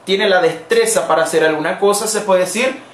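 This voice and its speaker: A woman teaches Portuguese pronunciation to Spanish speakers in a live online lesson, explaining patiently and repeating the model words. Her voice is lowish and fairly quick, and the room sounds echoey.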